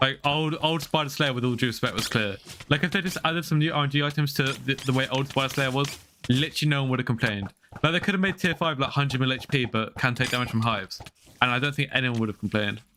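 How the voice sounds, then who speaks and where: A man with an English accent talks at a very fast pace. His pitch is medium, with ordinary variation. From England. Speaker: gaming streamer. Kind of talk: live stream commentary.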